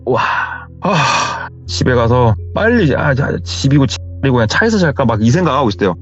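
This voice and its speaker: A man tells a story casually, as if passing on what a friend told him. His pitch swings in a lively way while the sound stays slightly dull. Faint music runs beneath him. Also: normal speed. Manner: chatty retelling of hearsay. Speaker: horror story narrator.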